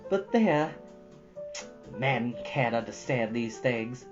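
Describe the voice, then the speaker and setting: Woman reader as a low-voiced, plain-spoken guardian woman. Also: expressive, takes it slowly, heavily acted. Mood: wistful, gloomy. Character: gloomy, sentimental older guardian woman in a storybook. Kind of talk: storybook character dialogue. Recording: dull audio over soft guitar music.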